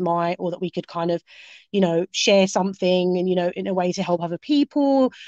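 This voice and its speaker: A woman with a London accent, medium pitch and lively intonation, in a dry, close sound with no echo over a quiet background. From London, England. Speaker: children's advocate and channel founder. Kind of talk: seminar talk. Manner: casual, with many fillers.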